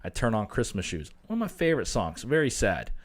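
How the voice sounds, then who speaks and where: A man's voice: fairly low pitch, very animated, brisk. A man in his twenties co-hosting a sports podcast as the coach, telling stories in a laid-back way and laughing often. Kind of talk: casual sports chat.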